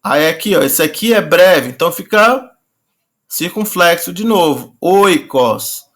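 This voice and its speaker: Male teacher, fairly high and bright voice, patient and repetitive in his explaining. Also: animated. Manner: patient, repeats and slowly draws out words. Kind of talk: online class lecture.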